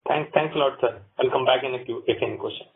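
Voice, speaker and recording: A man with an Indian accent and a gravelly, creaky voice puts questions as an analyst on a conference call. He is polite and somewhat wordy, over a narrow phone line. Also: medium pitch, fast talker.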